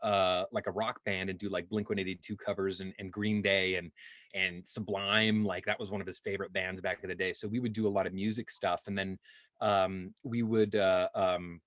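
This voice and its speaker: Low-voiced man rambling through his story. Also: level tone, moderate pace, a bit bright, no echo. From Hawaii. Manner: rambling, many restarts and fillers; acts out quoted voices. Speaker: guest actor. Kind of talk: casual interview chat.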